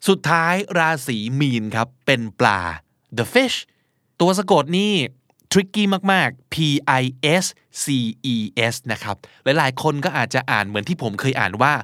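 Thai-accented male teacher, slow and careful, spells each word aloud, dry close recording. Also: mid-range voice, big pitch swings, pushed and bright, no room sound. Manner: slow, spells words letter by letter. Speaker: English pronunciation teacher. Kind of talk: podcast pronunciation lesson.

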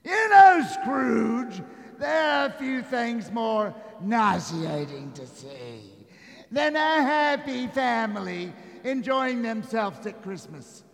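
A man's voice: extremely high pitch, very animated, takes it slowly, gravelly, exaggerated voice. A man playing a mocking, gleeful ghostly spirit with taunting, theatrical delivery in a live stage radio play. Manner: taunting, theatrical delivery with sudden loud swells. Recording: live stage recording in reverberant hall.

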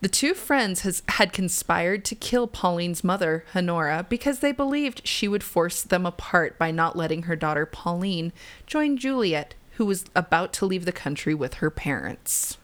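A woman's voice: fairly low pitch, normal speed. A woman co-hosting a podcast, chatting and laughing easily as she tells a true crime case. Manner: chatty, laughs often, animated. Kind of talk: casual chat and storytelling.

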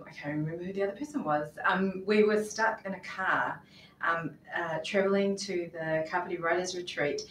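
A woman's voice: on the low side, a bit bright. A woman hosting a live podcast interview in a small office, chatty, with many ums and laughs. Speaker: podcast host. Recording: roomy, distant mic, faint noise.

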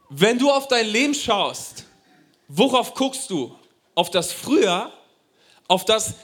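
A man with a fairly high voice delivers a sermon to a congregation. He preaches animatedly and talks directly to his listeners, often asking them questions. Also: a bit bright. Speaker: pastor.

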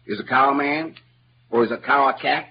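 A man's voice: fairly quick, slight background noise, natural voice. An actor playing Jim, a simple-hearted kindly man who speaks in a rural Southern dialect, in an old-time radio drama. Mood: puzzled, earnest. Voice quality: lively, swooping between low mutters and high exclamations. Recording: dull lo-fi old radio recording with music.

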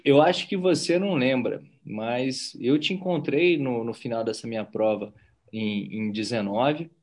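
A man from Brazil hosting a casual interview, talking in an animated, chatty way. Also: medium pitch, unhurried. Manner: animated, chatty, frequent "né?" and slang.

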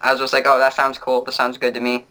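A man's voice: mid-range voice, monotone, fast talker, pushed and bright, rough recording. A young man speaking as a guest in a casual conversation, blunt and joking, with a fairly light voice.

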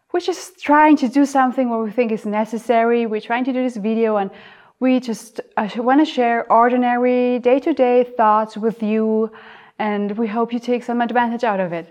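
A woman's voice: fairly high pitch, darkish tone. A young woman from Austria with an Austrian German accent, hosting a casual talk show in a chatty way, often correcting herself and restarting sentences. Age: young adult. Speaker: host.

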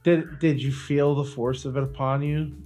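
A man co-hosting a comedy podcast in casual chat, riffing on absurd jokes in a halting way. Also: mid-range voice, little pitch movement, warm tone, faint music behind. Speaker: podcast co-host. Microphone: close mic with headphones.

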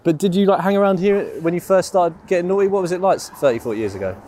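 A man's voice: high voice, fast, warm tone, slight background noise. A man doing a casual walking interview, asking questions in an informal, matey, sweary way.

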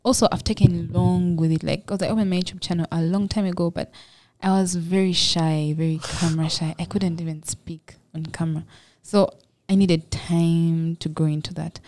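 A woman's voice: on the low side, steady tone, moderate pace, hardly any pauses, darkish tone. A young Ugandan woman with a Ugandan accent, speaking modestly and reflectively as a podcast guest. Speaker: guest, makeup entrepreneur. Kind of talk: casual podcast interview.

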